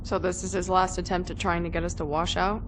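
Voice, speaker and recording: A woman's voice: on the low side, flat delivery, fairly quick, noisy background, close to an everyday voice. A woman playing a friendly, teasing young cadet among her squadmates in a video game cutscene. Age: young adult. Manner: teasing, companionable. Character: friendly, teasing young female mech cadet, upbeat comrade.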